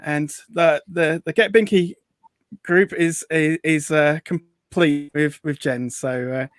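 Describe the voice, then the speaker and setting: A man's voice: on the high side, steady tone, slow pace, dry recording. A man hosting a casual online chat show, reading out viewer comments with lots of fillers over a video call. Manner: chatty, reads out viewer comments, many fillers. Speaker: host.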